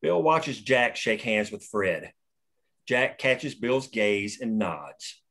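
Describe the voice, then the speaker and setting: Lower-voiced man reading stage directions. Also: slow, gravelly. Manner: steady, plain script reading. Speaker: narrator at a table read.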